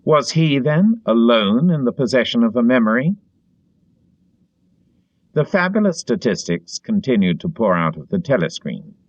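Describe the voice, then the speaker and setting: A man reading literary narration as an audiobook narrator, in a dramatic, expressive way. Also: medium pitch, normal speed, dry recording, dull audio.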